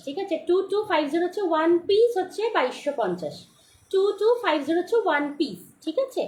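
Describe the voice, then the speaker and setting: A hoarse woman hosting a live-stream jewellery sale, repeating prices and often checking that viewers follow. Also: sits high, reverberant. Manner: repetitive, keeps asking for confirmation. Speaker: jewellery seller. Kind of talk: live-stream sales pitch.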